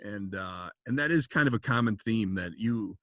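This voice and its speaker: A man's voice: on the low side, lively intonation, normal speed, pushed and bright, no echo. A man hosting a podcast, asking questions in an easygoing, agreeable way. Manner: easygoing, agreeable interviewer with short responses. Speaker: podcast host. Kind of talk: casual podcast interview.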